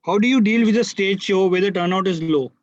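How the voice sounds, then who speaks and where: A man's voice: high-pitched, fairly quick, no room sound. A man asking short interview questions, sometimes stumbling over his words. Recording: dull, dry lo-fi audio.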